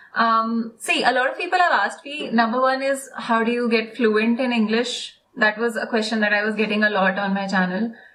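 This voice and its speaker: A high-pitched woman with an American accent, speaking at a moderate pace over noticeable background noise. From raised partly in the US, then India. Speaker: model and pageant coach. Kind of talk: podcast interview.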